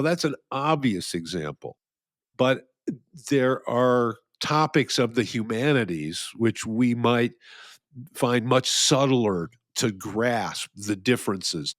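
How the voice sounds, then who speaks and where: Male podcast co-host, mid-pitched, close and dry, meandering musings with restarts. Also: dry recording. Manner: rambling, restarts often, laughs at own jokes. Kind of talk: casual philosophical chat.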